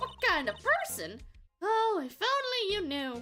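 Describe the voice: A woman puts on a character voice at an extremely high pitch. She goes at a fairly slow pace, her pitch swinging very widely.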